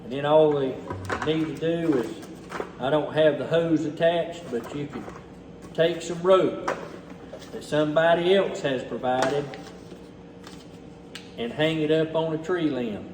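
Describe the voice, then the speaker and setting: A man's voice: a little high, steady tone, measured pace, pauses often. A man with a Southern US accent talking casually and off the cuff to the camera in a folksy, plainspoken way. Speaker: relief effort organizer presenting donations. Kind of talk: casual unscripted talk to camera. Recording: echoey, distant mic, faint background noise.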